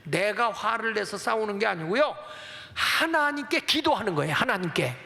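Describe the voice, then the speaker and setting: High, gravelly preacher in a reverberant hall. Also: male voice, normal speed. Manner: animated storytelling preacher, acts out prayers and taunts. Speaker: pastor. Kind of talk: sermon.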